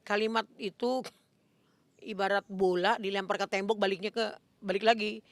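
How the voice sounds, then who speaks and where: An older woman in a casual interview, animated and acting out her reactions, with frequent coughs. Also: mid-range voice, normal speed, no room sound.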